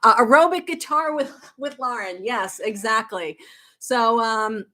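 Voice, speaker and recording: On a casual livestream, a woman in her thirties gives guitar lessons and fields questions from viewers, reading their comments and throwing in quick asides. She has a faint Boston accent and a sharp voice on the high side.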